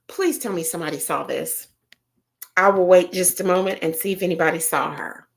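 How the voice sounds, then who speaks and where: A woman with a Southern American accent, chatting casually with viewers on a livestream and telling stories in an animated way. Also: fairly low pitch, a little fast, gravelly. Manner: animated storyteller, talks straight to viewers, frequent fillers. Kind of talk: casual chat.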